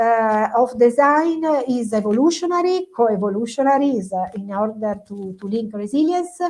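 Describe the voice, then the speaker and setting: A woman with an Italian accent speaks at a fairly high pitch and a moderate pace, with lively intonation, big swings in loudness and hardly any pauses. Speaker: professor. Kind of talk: lecture. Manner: halting.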